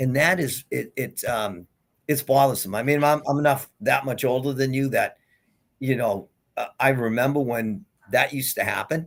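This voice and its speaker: This is an unremarkable speaking voice at a moderate pace. The pitch varies in an ordinary way. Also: man, medium pitch for a man. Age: 60s. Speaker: golf club owner and political activist. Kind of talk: casual interview. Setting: podcast.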